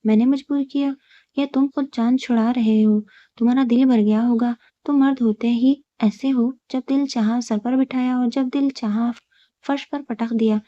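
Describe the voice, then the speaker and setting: A woman's voice: on the high side, steady tone, mellow, no echo, natural voice. A woman voicing a hurt, defiant young wife who speaks bitterly and accusingly. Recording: dull lo-fi recording.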